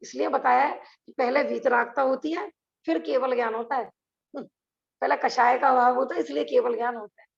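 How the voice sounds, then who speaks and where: A woman's voice: high-pitched, fairly even intonation, brisk, gravelly, dull audio. A woman teaching a religious scripture class over a video call, talking earnestly and asking her listeners rhetorical questions.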